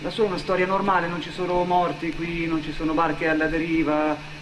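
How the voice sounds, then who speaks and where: An actor playing a sceptical, argumentative man in radio theatre, speaking in a measured way. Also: a little high, little pitch movement, natural voice. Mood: sober, reflective. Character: sceptical Italian man debating with his immigrant friend, narrating. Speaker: actor and narrator. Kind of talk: radio theatre dialogue and narration. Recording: clear background noise.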